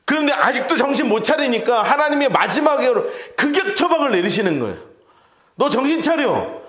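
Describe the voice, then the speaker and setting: A middle-aged male pastor preaching an expository Bible-study sermon, telling his story in an animated way, acting out shouted cries and telling listeners to mark verses. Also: very high voice. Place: church sanctuary.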